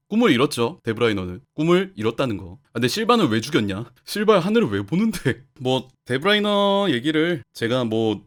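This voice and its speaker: A man hosting a football channel who talks in a casual, slangy, animated way. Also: medium pitch. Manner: animated, slangy, quick talk. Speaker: football YouTuber host. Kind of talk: casual commentary.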